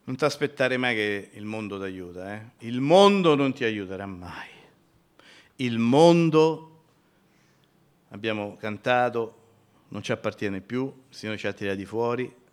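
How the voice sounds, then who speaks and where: Impassioned preacher, slow delivery. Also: male voice, fairly low pitch, clean tone. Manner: impassioned, builds to loud shouting; addresses the congregation as brothers. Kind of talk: sermon.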